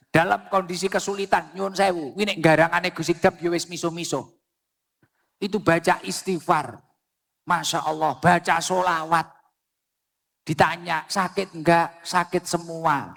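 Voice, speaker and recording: A man's voice: sits high, creaky, fairly bright tone, big-room sound. A man with a Javanese accent preaching a sermon on a public mic, telling jokey stories and mixing in Arabic phrases.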